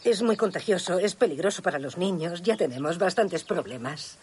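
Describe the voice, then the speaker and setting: A woman's voice: on the low side, lively intonation, moderate pace, a little mellow, husky. An actress playing an anxious, secretive village mother who answers hesitantly and evasively.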